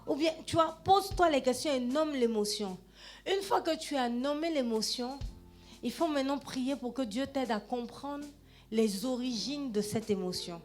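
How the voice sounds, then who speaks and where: High-voiced woman pastor preaching conversationally. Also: lively intonation, normal speed, faint music behind. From Gabon. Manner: conversational preaching, addresses listeners directly, frequent "hein" and "amen". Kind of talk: sermon. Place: church.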